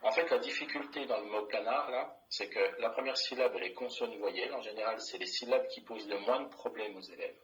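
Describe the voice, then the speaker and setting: A man's voice: on the low side, a little fast, few pauses, fairly bright tone, rough recording. A middle-aged man, a primary school teacher, explaining a classroom method in a plain, methodical way with many fillers and restarts.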